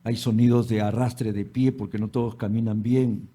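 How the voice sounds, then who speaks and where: A man hosts an interview, his voice dark and a little husky. He builds long hypothetical questions and pauses to restart his phrasing. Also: on the low side, flat delivery. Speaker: host.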